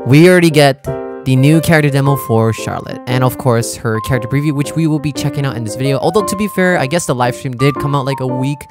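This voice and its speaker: A gaming channel host talks in a casual, slangy reaction style. The voice sits at a medium pitch and often breaks into exclamations. Music plays behind it. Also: quick pace.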